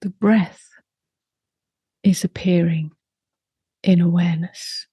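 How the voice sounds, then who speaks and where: A woman leading a guided meditation as a teacher, speaking softly in short unhurried phrases with long pauses, her voice gentle and breathy. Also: on the low side, fairly even intonation, no echo, clean studio sound.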